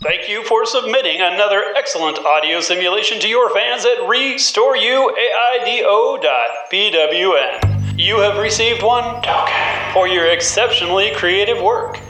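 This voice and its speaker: A chirpy automated website voice, put on by a man speaks in a high, sharp, sugary tone, formal like an announcer. It sits in a heavily echoing space, as if piped through an effect. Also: moderate pace, soft background music. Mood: cheerful. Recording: heavy echo effect.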